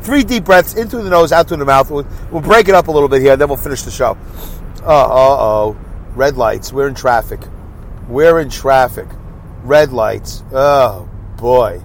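A stuffy-nosed man hosting his own podcast, chatting casually and self-deprecatingly while driving in traffic. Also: medium pitch. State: congested, stuffy nose. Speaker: podcast host. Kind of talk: solo rambling podcast monologue.

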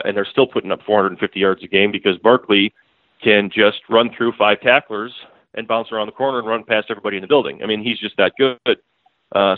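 A man's voice: fairly low pitch, no room sound. A newspaper beat writer, a man, talks through a game as a podcast guest, in a loose, chatty way, often starting over mid-sentence and chuckling as he goes. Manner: talkative, frequent restarts and fillers, chuckling asides. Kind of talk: casual sports analysis. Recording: tinny phone line, dry.

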